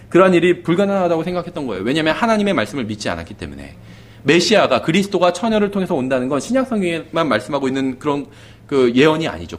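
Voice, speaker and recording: A male pastor giving a conversational sermon. He keeps asking the congregation for agreement and lets his voice fall soft and low at the ends of phrases. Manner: conversational preaching, often asks the congregation "그렇죠?".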